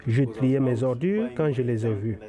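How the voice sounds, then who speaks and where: Young male artist from Kenya, mid-pitch voice, plain explanations, crowd noise behind. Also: expressive, normal speed. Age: young adult. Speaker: artist interviewee. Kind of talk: interview.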